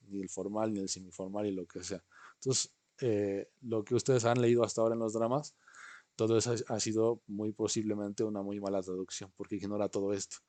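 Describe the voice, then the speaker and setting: This man teaches a language online through a video call, taking his time with explanations and frequently asking how his students are doing. His voice sits on the low side and sounds mellow, with no echo.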